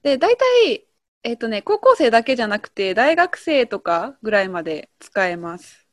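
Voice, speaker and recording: A woman's voice: fairly high pitch, sing-song, moderate pace, no room sound. A woman with a Kansai Japanese accent co-hosting a podcast, casually explaining slang with examples and laughing often. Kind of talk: casual chat lesson.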